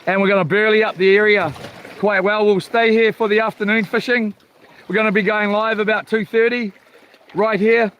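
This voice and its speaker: A man with a notably high-pitched voice and a broad New Zealand accent talks in a loose, rambling way. He sounds like a casual livestream host, hesitant and informal. The recording is outdoors on a boat, with faint water and boat noise behind him. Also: steady tone, moderate pace, highs cut off. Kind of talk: casual live vlog chat. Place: outdoors on a small boat at sea.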